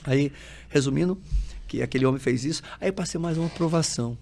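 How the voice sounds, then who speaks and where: A man's voice: on the high side, quick pace, gravelly, a little hiss or hum. A man, a pastor, telling his personal testimony as a podcast guest, acting out the dialogue of his story and quoting scripture like a preacher. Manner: lively storytelling, acting out dialogue, frequent filler tags; preacherly, quotes scripture with rising emphasis.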